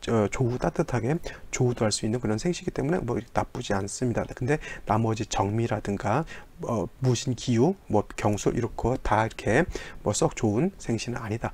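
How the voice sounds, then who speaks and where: A man's voice: medium pitch, a little mellow. A middle-aged man teaching saju fortune-telling in an explanatory lecture, often asking rhetorical questions. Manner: lecturing with rhetorical questions and acted-out student voices.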